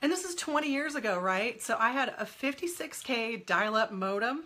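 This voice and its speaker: With a bright, forceful, rather high voice, she talks expressively at a normal speed. The woman, in her forties and congested from a head cold, is a live-stream guest answering comments in casual chat, frequently laughing and greeting viewers by name.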